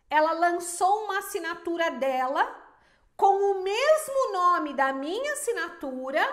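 A Brazilian woman with a very high voice talks straight to her viewers about business, emphatic and animated. She keeps throwing in rhetorical questions. The room around her is echoey. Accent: Brazilian Portuguese. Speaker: small business owner and teacher. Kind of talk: casual advice to viewers.

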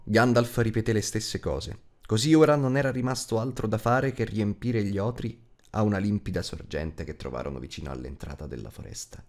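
A man narrating an audiobook in an expressive storytelling style. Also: mid-range voice.

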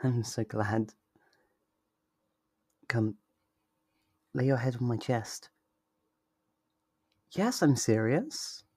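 Male actor as possessive yandere sweetheart, ASMR roleplay, tender, reassuring, slow delivery, medium pitch. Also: animated, a little mellow, husky, no echo, studio quality, heavily acted. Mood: affectionate, doting. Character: sweet, doting, possessive yandere lover, soothing and obsessive. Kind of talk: intimate roleplay ASMR acting.

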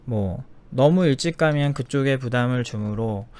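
A man's voice: mid-range voice, moderate pace, darkish tone. A young man, a developer, telling a personal story in a casual monologue, bluntly, with frequent swearing, acting out the people he quotes. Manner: blunt, swears freely, acts out quoted voices.

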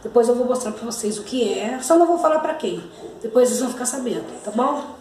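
A woman's voice: on the high side, expressive, fast talker, darkish tone, a little hiss or hum. Chatty Brazilian woman vlogging in an echoey home. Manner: chatty, keeps addressing viewers, fond diminutives. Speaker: vlogger and grandmother. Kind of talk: casual home vlog chat to viewers. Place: home kitchen and living room, indoors. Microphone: phone camera held at arm's length.

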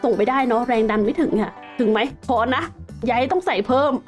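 A woman's voice: on the high side, expressive, fast talker, a little mellow, faint music behind. A young woman host chatting through her gameplay, exclaiming often and calling herself by name. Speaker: gaming channel host. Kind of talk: Minecraft gameplay commentary.

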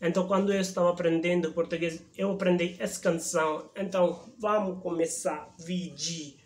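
Indian man chatting in halting Portuguese. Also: sits high, fairly even intonation. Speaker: YouTube reaction host. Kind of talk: casual reaction video chat. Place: indoor room in front of a wooden backdrop. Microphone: lapel mic. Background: music playing from the reacted video.

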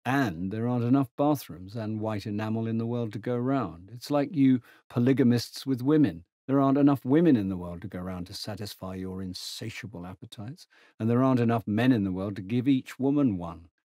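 A man voicing a blunt, cynical young English gentleman in an audiobook, speaking in a lecturing tone. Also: mid-range voice, fairly quick, dry recording, clean studio sound, close to an everyday voice.

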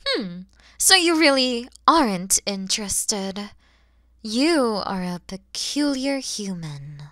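A woman playing a kind, proud, mature dragon mother in an ASMR roleplay, with breathy delivery that often softens toward whispers and theatrical pauses. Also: medium pitch, big pitch swings, dry recording, studio quality. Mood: surprised, curious.

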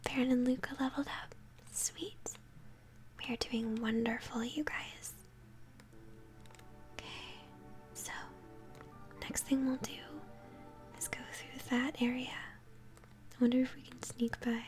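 A young woman whispering gently as she hosts an ASMR let's-play, commenting on a game. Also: fairly high pitch, little pitch movement, slow pace, pauses often, soft background music. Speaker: host, gamer. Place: small room at home, indoors.

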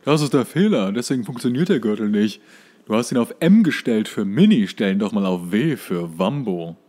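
Low-voiced man in casual podcast chat. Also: expressive, moderate pace, dark tone. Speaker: podcast co-host. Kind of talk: casual chat, explaining trivia.

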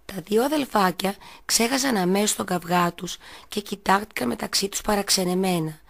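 A woman radio host and kindergarten teacher, reading a children's story in a clear, measured way. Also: medium pitch.

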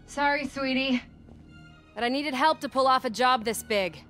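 Sly Black Cat, cool and teasing. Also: female voice, high voice, normal speed, a bit bright, soft background music. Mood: smug, teasing. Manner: teasing, cool, self-assured. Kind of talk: cinematic game voice acting.

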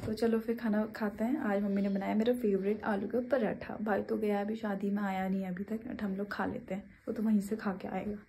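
A young woman from Uttarakhand chatting casually through a daily vlog, loud and lively outdoors, quiet and subdued at home. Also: medium pitch, brisk, few pauses, slight background noise. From Uttarakhand, India. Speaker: vlogger. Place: streets, office and home, in and out of doors.

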